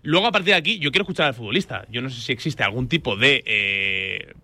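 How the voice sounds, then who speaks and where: A man's voice: mid-range voice, animated, fast, bright, forceful tone, no echo. A man giving casual, opinionated football commentary as a pundit in a discussion. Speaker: sports pundit.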